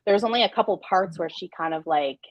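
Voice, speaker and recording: A woman talks casually in a live book discussion as one of the hosts. Her voice is a little low and husky, and it sounds close and dry, with very little room in it. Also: fast, dry recording, dull audio. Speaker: book club live show host.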